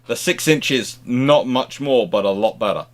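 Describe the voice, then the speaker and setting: A man's voice: medium pitch, measured pace. A man giving expert commentary in a naval history discussion, often reworking his phrases as he goes.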